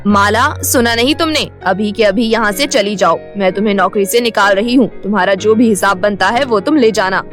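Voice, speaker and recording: A woman's voice: faint music behind, close to an everyday voice. A woman voicing a stern, middle-aged school principal who speaks in curt, clipped orders. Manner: curt, lower and brisk.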